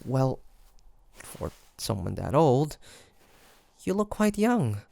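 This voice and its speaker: Guy acting as a gravelly hunter dude, slow n halting, curious and teasing, softly tsundere, audio roleplay. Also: medium pitch, big pitch swings, dry recording, heavily acted. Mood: playful, needling. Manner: hesitant, halting, conversational. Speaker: voice actor.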